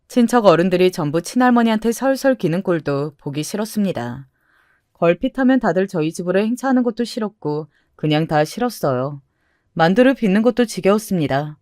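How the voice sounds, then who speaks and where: A woman's voice: mid-range voice, a little mellow, dry recording, studio quality. A woman narrating a first-person story in a confessional, storybook reading style.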